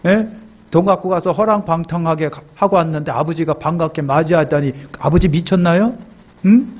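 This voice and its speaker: A man's voice: on the high side, moderate pace, dull audio, natural voice. A man voicing a resentful, self-righteous elder son who complains indignantly.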